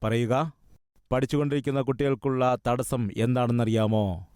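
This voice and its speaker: A man's voice: medium pitch, steady tone, normal speed, darkish tone, smooth, no echo, studio quality. A man preaching a sermon, putting one question after another to his listeners and appealing to them earnestly.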